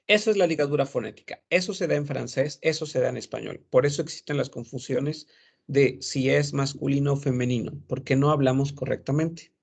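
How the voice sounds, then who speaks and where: Gravelly-voiced man teaching a class. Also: medium pitch. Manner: explains slowly, repeating example phrases aloud. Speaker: French teacher for gastronomy students. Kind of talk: classroom lecture.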